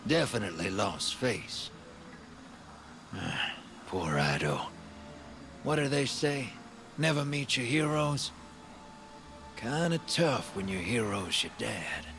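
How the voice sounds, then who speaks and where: A man's voice: fairly low pitch, big pitch swings, slow pace, long pauses, exaggerated voice. A man playing a roguish, folksy drifter in a video game, wisecracking and teasing in a laid-back drawl. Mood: wry, easygoing. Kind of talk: video game dialogue acting. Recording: music behind the voice.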